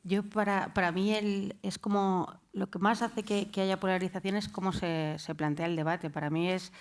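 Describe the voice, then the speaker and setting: Woman, journalist, panel debate, halting, lots of fillers. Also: medium pitch, level tone. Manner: hesitant, many fillers. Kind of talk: panel discussion.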